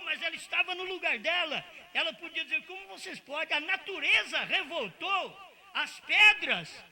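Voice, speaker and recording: Male preacher, very high bright voice, lively impassioned delivery that jumps from shouts to murmurs. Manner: impassioned, swinging from loud declarations to low murmurs. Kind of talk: sermon.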